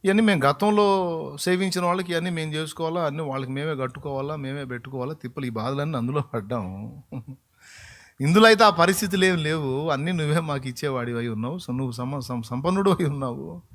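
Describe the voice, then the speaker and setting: A man's voice: fairly high pitch, fast talker, a bit bright. A male pastor, preaching a sermon in a colloquial, emphatic way and acting out bits of dialogue.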